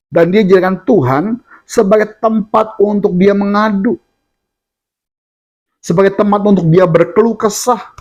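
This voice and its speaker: A man's voice: sits high, darkish tone, poor audio. A man preaching a sermon, often addressing his listeners directly between filler sounds and restarts.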